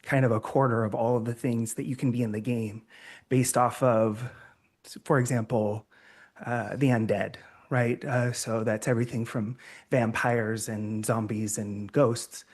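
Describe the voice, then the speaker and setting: A man's voice: mid-range voice, little pitch movement, unhurried. A man on a convention panel, methodically explaining his tabletop game design.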